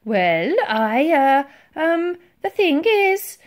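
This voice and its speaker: A woman's voice: very high voice, sing-song, moderate pace, voice pushed up. A woman voicing a nervous, respectful male sailor in a children's story, speaking hesitantly. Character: timid, respectful old sailor man, Titch.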